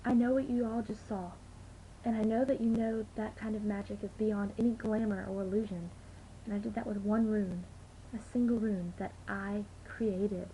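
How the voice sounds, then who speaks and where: A woman's voice: mid-range voice, fairly even intonation, moderate pace, warm tone, lightly acted, rough recording. A woman playing an earnest, defiant fifteen-year-old girl in an insistent, persuasive dramatic audition monologue. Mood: determined. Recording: amateur recording with faint background noise.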